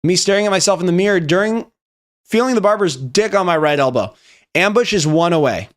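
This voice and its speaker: A man's voice: sits high, expressive, fairly quick. A young man with a slightly raised voice reads out memes on a live stream and reacts to each one. He swears freely and laughs as he goes. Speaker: streamer reviewing viewer memes. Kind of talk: casual live-stream commentary.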